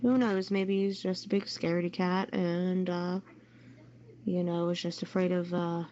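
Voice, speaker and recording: A woman's voice: lowish voice, flat delivery, a little slow, dark tone. Woman, casual call-in opinion chat, unsure delivery, muffled sound, background noise. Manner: hesitant, unsure. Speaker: participant on a call-in show. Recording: dull lo-fi audio with clear noise.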